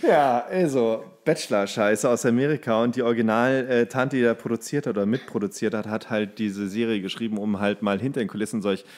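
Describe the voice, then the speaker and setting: A man's voice: medium pitch, a little fast, few pauses, darkish tone. A man co-hosting a podcast, chatting casually and jokingly in a loose, colloquial, teasing way. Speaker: podcast co-host. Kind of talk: casual joking chat about TV series.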